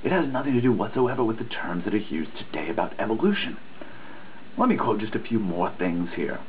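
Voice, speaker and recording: Reading a dissertation aloud at a fairly quick pace, this man has a lowish, very animated voice. His delivery is dramatic, earnest and preachily emphatic, with the odd misread word, and the audio comes through tinny like a phone with a little noise.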